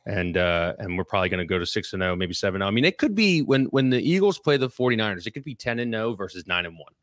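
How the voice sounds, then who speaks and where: A man co-hosting a casual sports podcast, talking about his team in an animated, opinionated way. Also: fairly low pitch, fast talker, no echo, clean studio sound. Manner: animated, opinionated fan talk.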